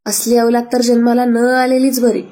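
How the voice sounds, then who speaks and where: Lady doing a nosy old village woman, scornful digs, dark soft tone. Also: a little high, flat delivery, moderate pace. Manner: sneering, taunting.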